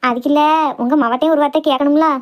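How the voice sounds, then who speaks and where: A woman voicing a sharp-tongued, outspoken village wife and mother in a cartoon family drama, scolding and argumentative with a Tirunelveli Tamil accent. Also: sits high, fairly even intonation, lightly acted. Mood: concerned, insistent. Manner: scolding, argumentative, rapid complaints.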